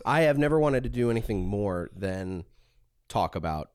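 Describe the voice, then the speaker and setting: A man's voice: fairly low pitch, expressive, normal speed, smooth, no echo. Joking man in his thirties, dry sound. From Long Island, New York, USA. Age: 30s. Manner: joking, self-deprecating, swears casually. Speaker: podcast guest, stand-up comedian. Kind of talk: casual interview chat.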